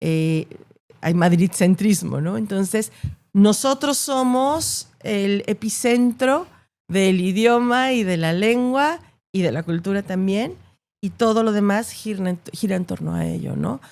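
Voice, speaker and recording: A woman's voice: mid-range voice, unhurried, vocal fry, a little mellow. A woman with a Latin American Spanish accent, explaining her opinions in an interview in an articulate, emphatic way, repeating words to drive points home. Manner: articulate, emphatic, builds points with repetition and rhetorical tags. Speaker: interview guest, journalist.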